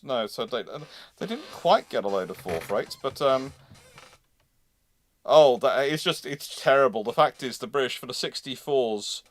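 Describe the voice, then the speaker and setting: A man hosting a live history question-and-answer session, talking haltingly and often repeating and rephrasing his words. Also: mid-range voice. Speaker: host of a naval history livestream.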